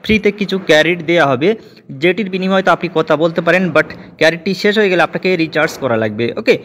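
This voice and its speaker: A man's voice: fairly high pitch, very fast, fairly bright tone. A man hosting a step-by-step app tutorial, mixing English words into his speech. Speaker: tech tutorial host.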